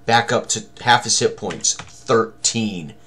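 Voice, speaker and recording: A man's voice: fairly low pitch, slow pace, a bit bright, slight background noise. An older man in his sixties hosts a casual tabletop combat tutorial, narrating each step in short fragments as he goes. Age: older, around 60s. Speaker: tabletop game designer and tutorial host. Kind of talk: casual tutorial commentary while rolling dice. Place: small room indoors at a computer.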